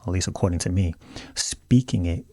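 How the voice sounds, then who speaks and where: A low-voiced man with an African American accent hosts a video essay. His delivery is earnest and colloquial, with gravelly fry, recorded close and dry. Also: normal speed, a little mellow, no echo. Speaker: video host. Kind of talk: scripted video essay commentary.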